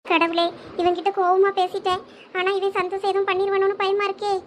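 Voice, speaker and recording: Give me a woman playing a defiant, frightened young wife with a very high voice. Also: flat delivery, brisk, a little hiss or hum. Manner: defiant, fearful prayer.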